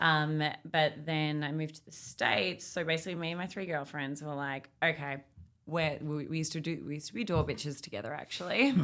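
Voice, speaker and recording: A woman with an Australian accent and a very deep, low pitch talks fairly quickly with ordinary pitch variation in a very clean recording with a silent background. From Australia, Melbourne. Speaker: fitness trainer. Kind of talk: casual chat. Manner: animated.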